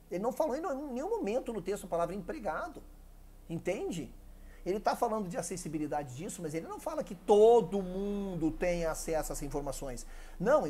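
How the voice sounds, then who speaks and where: A man's voice: high voice, warm tone. A Brazilian man teaching an online exam-prep English class, explaining step by step and asking the viewer frequent rhetorical questions, with a dry throat. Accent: Brazilian Portuguese.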